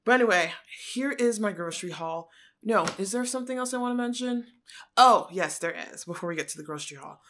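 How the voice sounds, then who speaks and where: A woman's voice: mid-range voice, animated, fairly quick, a bit bright, a little hiss or hum. A woman in her thirties, from Canada, chatting emphatically and with strong opinions in a casual grocery haul vlog filmed at home with a handheld camera. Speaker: vlogger. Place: small living room at home. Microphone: camera at arm's length.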